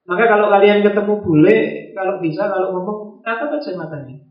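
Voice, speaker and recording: A man giving a relaxed, joking philosophy lecture to a class. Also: high-pitched, a little fast. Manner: joking, conversational, acts out little quoted exchanges. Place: classroom with students. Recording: roomy, dull lo-fi classroom recording.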